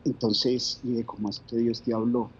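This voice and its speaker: A man's voice: medium pitch, level tone, moderate pace, highs cut off, slight background noise. A man from Bogotá with a Colombian accent, a guest telling his faith story in an interview, reflective and full of fillers. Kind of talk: testimony interview.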